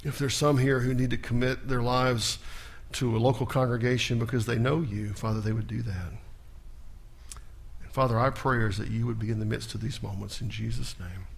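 A pastor preaching a sermon in a church, building to loud emphatic peaks and then dropping into a quiet prayer. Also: male voice, medium pitch, steady tone, moderate pace, vocal fry, husky. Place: church sanctuary.

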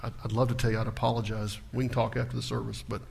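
A pastor preaching a sermon in a church, building to loud emphatic peaks and then dropping into a quiet prayer. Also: male voice, medium pitch, level tone, rapid-fire, creaky, a little hiss or hum. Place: church sanctuary.

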